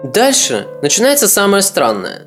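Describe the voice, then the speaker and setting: A podcast narrator reading a scripted history story in a measured, slightly ironic way. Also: mid-range voice, huge pitch swings, soft background music.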